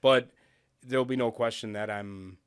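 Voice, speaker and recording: A man's voice: mid-range voice, fairly even intonation, smooth. Plainspoken man with a Wisconsin accent. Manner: plainspoken, self-deprecating, halting restarts. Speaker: guest, operations executive. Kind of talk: casual interview talk.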